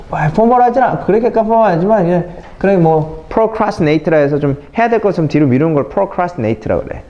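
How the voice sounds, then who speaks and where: A middle-aged man teaching English vocabulary in a lively classroom lecture, mixing English phrases into his explanations and talking to his students as kids. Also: fairly high pitch, lo-fi sound. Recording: echoey classroom with faint noise.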